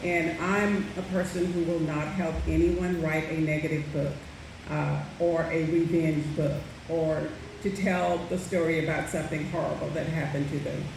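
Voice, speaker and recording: Noticeable background noise runs underneath. The talking goes at a moderate pace. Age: 60s. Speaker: author and writing coach. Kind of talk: panel discussion.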